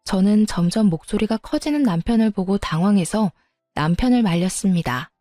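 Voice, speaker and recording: A woman narrating a family story in the first person, in an even storytelling manner. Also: mid-range voice, brisk, dry recording, soft background music. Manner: even, storytelling, politely firm in quoted lines.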